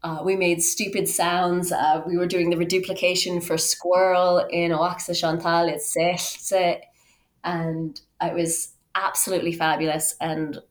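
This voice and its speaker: Low-pitched woman telling personal stories. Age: 30s. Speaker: podcast guest, linguist. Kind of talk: conversational interview, personal storytelling.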